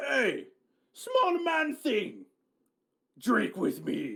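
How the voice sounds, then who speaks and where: A high-pitched, put-on character voice. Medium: actual play. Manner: loud, crude.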